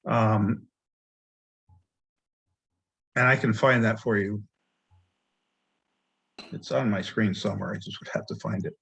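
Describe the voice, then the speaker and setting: A man presenting a loan at an online board meeting, talking haltingly with many restarts while losing his voice and clearing his throat. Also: fairly low pitch, fairly even intonation, a bit bright. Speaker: land bank staff presenting a loan.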